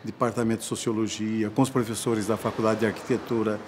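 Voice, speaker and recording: A man, a museum historian, explaining his career in a measured tone in a documentary interview. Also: fairly low pitch, flat delivery, background noise.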